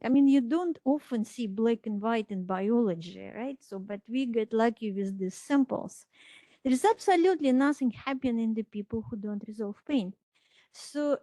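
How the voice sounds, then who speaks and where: A woman's voice: on the high side, warm tone, no room sound. Woman from Kazakhstan giving a science lecture. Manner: explanatory, non-native grammar, frequent restarts. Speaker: research lecturer. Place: lecture room.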